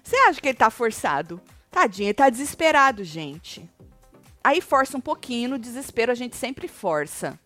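A woman with a fairly high voice hosts a casual live chat, retelling what happened and bursting into dramatic quoted lines. Faint music plays under her talk. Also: normal speed. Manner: animated, acts out quoted lines with dramatic emphasis. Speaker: co-host of a reality show commentary stream.

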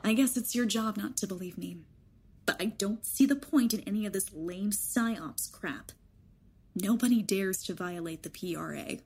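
A woman's voice: mid-range voice, normal speed, darkish tone, husky. A woman playing a defiant, blunt rejuvenated elder in a young body in an audio drama. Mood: defiant, sardonic. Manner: guarded, sardonic, blunt.

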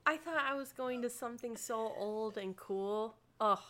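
A woman's voice: fairly high pitch, measured pace, a little hiss or hum. A young adult woman co-hosting a podcast, chatting casually and laughing often as she recaps a cartoon episode. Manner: giggly, animated, frequent laughter. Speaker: podcast co-host.

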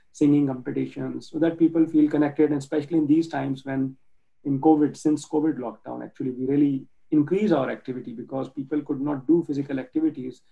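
Earnest gravelly man from Pakistan, dull audio. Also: medium pitch. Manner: earnest, halting with many restarts and fillers. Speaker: nonprofit organizer, guest. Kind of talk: video call interview. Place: home in Germany.

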